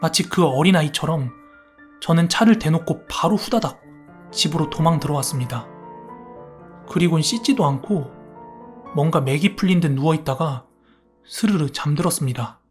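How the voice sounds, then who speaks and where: A man narrating a first-person horror story in a soft, steady storytelling tone. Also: a little high, normal speed, pauses often, soft background music. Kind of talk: calm scripted horror narration.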